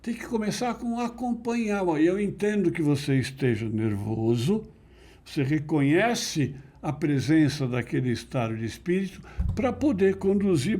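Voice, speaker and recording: A middle-aged man speaks in a husky, mellow voice, slightly high for a man. He explains patiently and didactically, leaning on key words for emphasis. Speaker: interview guest, NLP teacher. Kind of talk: conversational explanation.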